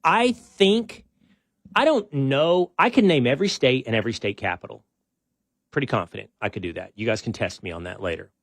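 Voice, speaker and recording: A middle-aged man opens his show with loose, easygoing chatter, circling back on himself and cracking small jokes at his own expense. His voice sits at an ordinary male pitch. The sound is close and dry, with no room around it. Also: brisk, no room sound. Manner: relaxed and rambling, with frequent restarts and self-deprecating asides. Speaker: podcast host. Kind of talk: casual show-opening chat.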